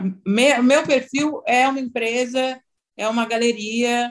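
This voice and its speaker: Fairly even intonation at a fairly slow pace. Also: woman. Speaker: painter. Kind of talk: casual chat. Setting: video call.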